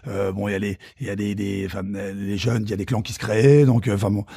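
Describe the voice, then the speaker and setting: A middle-aged man with a Parisian suburban accent, a chef recalling his youth in halting casual talk full of fillers and restarts. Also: on the low side, little pitch movement, creaky, dark tone, husky. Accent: Parisian suburban French. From Paris suburbs, France. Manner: hesitant, many fillers and restarts. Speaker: chef interviewed about his career. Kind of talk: casual spoken recollection.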